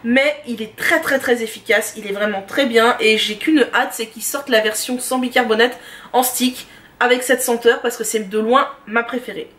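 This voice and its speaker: A woman with a high voice talks through her favorite products in a chatty, enthusiastic vlog at home. She often pauses on small fillers as she goes. Her voice sounds set back from the microphone. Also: steady tone, fairly bright tone. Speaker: beauty and lifestyle vlogger. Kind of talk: casual product review monologue. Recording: voice distant from the mic.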